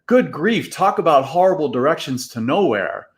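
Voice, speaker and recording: A man voicing an excited, wide-eyed young boy who talks breathlessly. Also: a little high, moderate pace. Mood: eager.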